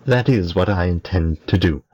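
An old, honest storybook beekeeper who speaks in an earnest, plain way, read by a man. The voice stays deep and husky. He sounds steady and sincere. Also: normal speed, highs cut off.

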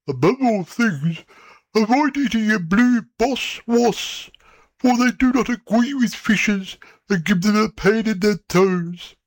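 A man voicing solemn old fishes in a storybook reading, with a slow, grave manner. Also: sits high, no echo, pitched above the performer's own voice.

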